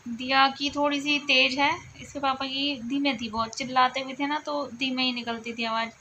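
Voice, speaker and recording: A woman vlogger chats to her viewers while lying down at home, soft and reflective, circling back to her own phrases. Her voice is bright and fairly high but stays flat in its melody. Faint crickets and insects chirp behind her. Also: normal speed, a little hiss or hum. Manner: soft, reflective, repeats herself. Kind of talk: casual confiding chat to viewers.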